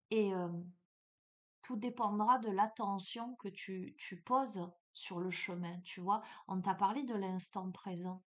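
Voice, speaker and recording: Middle-aged woman, spiritual guidance host, middle pitch, casual and animated storyteller, filler-heavy, talks straight to the viewer. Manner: chatty, animated, many fillers, addresses listener as tu.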